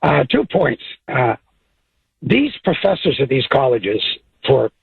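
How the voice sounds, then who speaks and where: A man calling in to a talk radio show, raspy-voiced and opinionated, halting with fillers over a distorted phone line. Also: medium pitch, sing-song, no echo. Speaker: caller.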